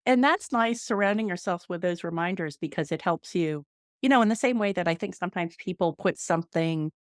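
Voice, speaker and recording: A woman's voice: fairly low pitch, fairly quick, dry recording, studio quality. A woman hosting a podcast interview, friendly and chatty, recorded over a video call. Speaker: podcast host.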